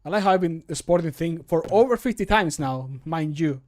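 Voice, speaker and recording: A man's voice: on the high side, animated, fairly quick, a little mellow. A man in his thirties chatting casually as a streamer, joking and poking fun at himself, with the odd swear word. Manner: joking, self-mocking, sweary. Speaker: streamer recording mod voice lines. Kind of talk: casual chat to viewers. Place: small room at home, indoors.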